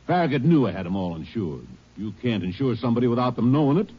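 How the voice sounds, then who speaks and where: Old muffled radio western: defensive shopkeeper, husky, argumentative, indignant. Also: male voice, mid-range voice, sing-song, quick pace. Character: defensive, belligerent hardware store owner under suspicion. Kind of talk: 1950s radio drama acting.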